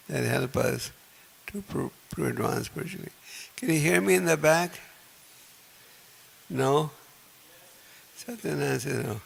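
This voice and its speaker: A soft-spoken man giving a measured lecture at a temple program, speaking into a mic for a gathered audience. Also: mid-range voice, vocal fry, breathy edge. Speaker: spiritual teacher. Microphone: handheld or stand mic, speaking to a gathered audience.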